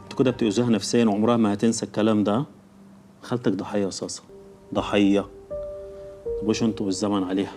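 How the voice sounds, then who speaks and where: A man's voice: fairly low pitch, little pitch movement, natural voice. An actor playing a street-smart man who lectures and coaxes a younger relative in a television drama. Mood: scolding. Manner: fast, scolding, coaxing. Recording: TV drama with music behind.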